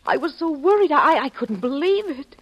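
A woman's voice: high-pitched, animated, moderate pace. A woman acting an anxious, devoted wife in a melodramatic 1950s radio drama, heard on a dull vintage recording. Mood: hushed, worried.

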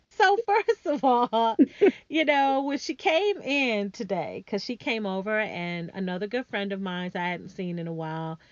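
A woman's voice: medium pitch, measured pace, dry recording. A woman hosting a podcast who tells a story casually and talks straight to her listeners. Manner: animated, addresses listeners as y'all. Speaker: podcast host. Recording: dull lo-fi sound.

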